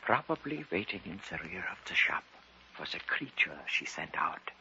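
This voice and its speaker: A man's voice: low-pitched, sing-song, normal speed, gravelly, bright, forceful tone, a little hiss or hum, full character voice. An actor playing a grave, commanding older man who hunts evil, in dramatic 1950s radio style. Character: elderly male occult investigator, grave and commanding. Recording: dull old radio broadcast with music.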